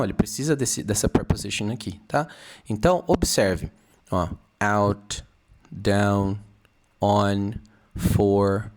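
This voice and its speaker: A man from Brazil teaching an English lesson, explaining step by step with frequent check-ins and reading example sentences slowly. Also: mid-range voice, darkish tone. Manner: reads English sentences slowly to model pronunciation.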